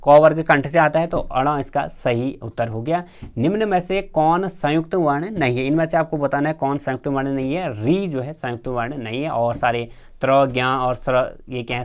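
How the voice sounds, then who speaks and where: A man's voice: on the high side, moderate pace, a little mellow, no room sound. A man teaching a grammar lesson in quiz form. He reads each question aloud and then explains the answer, with frequent fillers, calling his viewers friends.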